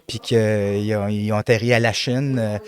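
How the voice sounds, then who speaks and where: A middle-aged man from Montreal with a Québécois accent, telling his story as an interview guest, animated and full of fillers and repeated words. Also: lowish voice, normal speed. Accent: Québécois French. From Montreal, Quebec. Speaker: guest, company president.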